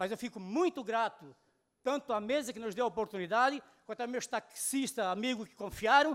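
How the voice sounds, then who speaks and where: A man talks at a fairly quick pace in an animated tone at an extremely high pitch, with ordinary pitch variation. The recording is very clean with a silent background. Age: 60s. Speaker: taxi driver. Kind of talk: public hearing speech. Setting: council chamber, microphone.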